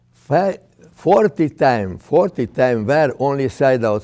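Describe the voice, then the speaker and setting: A man speaks with a Hungarian accent. His pitch swings very widely. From Hungary. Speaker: volleyball official. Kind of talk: interview. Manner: halting.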